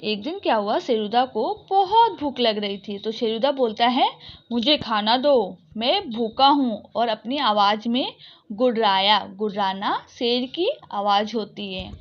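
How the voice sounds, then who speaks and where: A woman teacher reading a children's story aloud and explaining it slowly, repeating each line for young pupils. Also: on the high side, lively intonation. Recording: muffled lo-fi recording.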